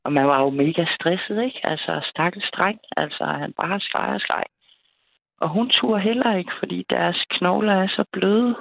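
Woman caller, gravelly, chatty storyteller who laughs often, tinny phone line, dry sound. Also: lowish voice, dry recording. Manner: lively, chatty, laughs between sentences. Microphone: telephone.

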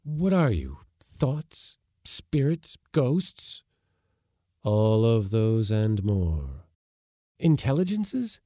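A man's voice: medium pitch, sing-song, slow, dark tone, no echo, clean studio sound, voice pushed up. A man voicing a frightened yet defiant ordinary man, who asks tense, rising, pleading questions. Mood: fearful.

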